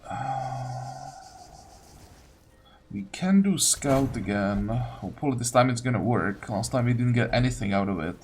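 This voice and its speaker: A man's voice: medium pitch, expressive, unhurried, a little mellow. Man thinking aloud over faint game music. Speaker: gamer commentating his playthrough. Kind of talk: casual let's-play commentary.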